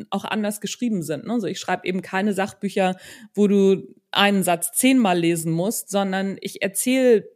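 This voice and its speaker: A middle-aged woman chats as the host of an interview. Her pitch is average for a woman. She talks informally, like someone in easy conversation, and often checks in with a short tag question at the end of a thought. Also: darkish tone. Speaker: podcast host and non-fiction author. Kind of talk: casual conversational chat.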